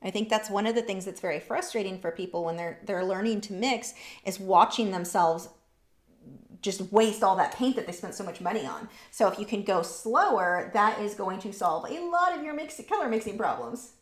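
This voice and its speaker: A woman's voice: medium pitch, expressive, moderate pace, roomy sound. Chatty woman teaching painting live. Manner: casual, chatty, reading viewer comments aloud. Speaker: art instructor. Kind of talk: live painting tutorial with chat.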